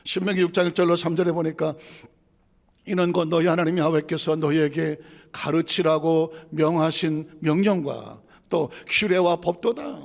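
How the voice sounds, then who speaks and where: A middle-aged man preaching a sermon as pastor, dramatic, acting out God's voice in shouts and dropping to hushed asides. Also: fairly high pitch, moderate pace, creaky. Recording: long reverb of a church hall.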